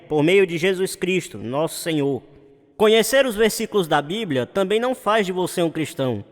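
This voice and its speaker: Earnest preacher, high male voice, long hall reverb, exhorting sermon delivery. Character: earnest male evangelist preaching to a crowd through loudspeakers. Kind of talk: evangelistic sermon.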